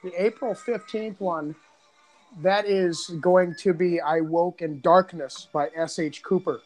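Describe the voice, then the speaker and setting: A man co-hosting a podcast, chatting casually in an animated, joking way. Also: high voice, measured pace, faint music behind, poor audio. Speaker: podcast co-host and producer.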